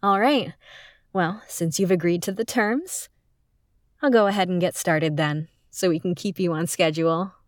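A woman voicing a polite, teasing service technician who gives a smooth customer-service pitch in an audio roleplay and calls the listener sir. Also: normal speed, no echo, clean studio sound, lightly acted. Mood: pleased teasing.

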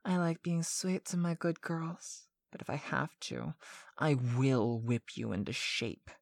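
In this scripted hypnotic monologue, a woman plays a domineering mistress who sounds both sweet and stern. Her delivery is commanding and deliberate, with a few breathy, whispered phrases. Her voice rumbles low with a slightly mellow quality, and there's no echo.

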